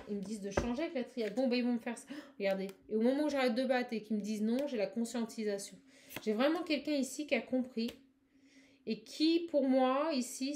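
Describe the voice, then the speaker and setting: A fairly high-voiced woman giving a spiritual card reading straight to her viewers. She talks quickly and gushes with exclamations. A faint hiss and the odd click sit under her voice. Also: darkish tone. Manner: effusive, fast, exclamatory, addresses viewer directly. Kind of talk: live tarot-style channeling reading.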